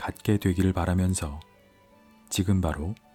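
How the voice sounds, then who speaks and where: Over music in the background, a voice with a calm tone moves at a fairly slow pace with fairly even intonation. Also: man. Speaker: audiobook narrator. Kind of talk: audiobook reading. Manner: calm, soft-spoken.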